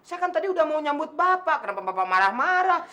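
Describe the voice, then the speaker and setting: A man's voice: very high voice, sing-song, quick pace, crowd noise. A bossy fake rich man. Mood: boastful. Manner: showy, bossy, teasing. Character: man pretending to be rich, bossy to his driver. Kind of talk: sitcom acting.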